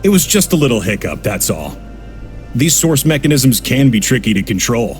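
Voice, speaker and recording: Guy doing cold formal game boss villain, measured, mid voice, quiet music behind. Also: mid-range voice, big pitch swings, close to an everyday voice. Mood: dismissive. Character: cold, businesslike male villain boss, calmly threatening. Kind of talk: video game voice acting.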